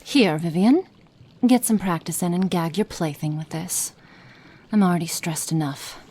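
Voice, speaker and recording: A woman's voice: on the low side, normal speed, a little mellow, breathy edge. A woman voicing a stern, impatient witch in an ASMR roleplay, giving curt commands and muttering whispered notes. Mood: commanding. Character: stern, impatient adult female witch experimenter. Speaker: roleplay performer.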